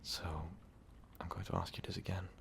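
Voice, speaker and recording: A man playing a lovestruck, remorseful vampire overlord in an ASMR roleplay, speaking in a halting, breathy, confessional way. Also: monotone, fairly bright tone, slight background noise, full character voice. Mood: pained, resigned. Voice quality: breathy, whispery, gravelly low voice. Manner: halting, slow, confessional, formal wording. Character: tormented, lovestruck male vampire overlord, remorseful ruthless conqueror. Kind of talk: ASMR roleplay, intimate monologue to listener.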